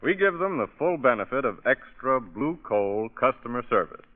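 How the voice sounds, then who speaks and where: A man's voice: mid-range voice, very animated, normal speed. A man giving a scripted old radio testimonial with an earnest salesman's delivery. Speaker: fuel dealer, guest in a sponsor spot. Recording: muffled old radio recording.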